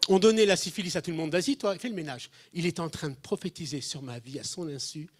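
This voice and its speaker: Here a fast-talking male preacher with a somewhat high voice entertains his flock with funny stories. His delivery is animated, with sudden swings in loudness, as he performs the voices of those he quotes.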